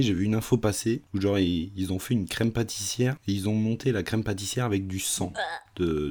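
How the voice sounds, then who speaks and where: A young man co-hosting a casual film podcast, with a fairly low voice. He rambles through his points, leaning on fillers and trailing asides. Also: a little mellow. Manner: rambling, fillers like "genre" and "tu vois". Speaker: podcast co-host.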